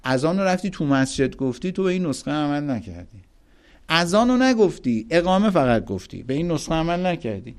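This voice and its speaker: A man giving a religious lecture, emphatic and animated, reciting Arabic quotations and explaining them to his audience. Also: fairly high pitch. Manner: animated, emphatic, rises sharply on key points.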